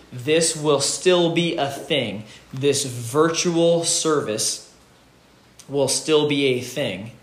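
A man giving earnest, informal motivational advice to peers, emphatic and repeating his key phrases. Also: medium pitch. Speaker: gym owner and fitness business host. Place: home gym outside, under a roof in a rainstorm. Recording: echoey room, rain noise on roof. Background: rain on the roof, storm.

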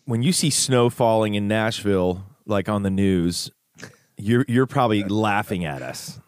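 Hoarse, chatty male podcast host. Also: on the low side, expressive, unhurried, no echo, studio quality. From Chicago. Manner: upbeat, chatty, joking. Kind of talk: casual podcast monologue and interview. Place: home studio.

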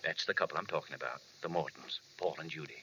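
A man playing a worried, earnest American ranch boss in a 1940s radio drama, speaking anxiously and haltingly. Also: rumbling low, pushed and bright. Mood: urgent. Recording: muffled old radio recording, faint hiss.

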